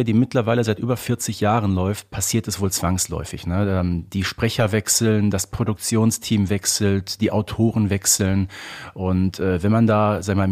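Lower-voiced German man co-hosting a podcast. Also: darkish tone. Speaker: podcast co-host. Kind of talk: casual fan podcast discussion.

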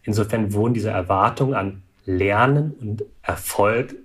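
A man in his thirties whose first language is Vietnamese, giving measured, analytical interview answers with some hesitations. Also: lowish voice, fairly bright tone. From Germany. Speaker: guest, alumnus.

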